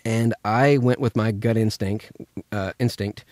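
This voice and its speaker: A man's voice: fairly low pitch, fairly even intonation, a little slow, darkish tone, no room sound. A man with an American accent, chatting casually as a voice actor giving a tutorial. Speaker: voice actor teaching impressions.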